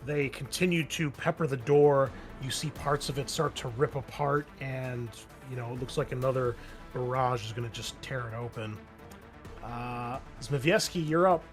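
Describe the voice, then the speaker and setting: A man's voice: mid-range voice, normal speed. Man game-mastering over faint music. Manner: descriptive narration mixed with informal rules talk. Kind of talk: narrating a tabletop roleplaying game.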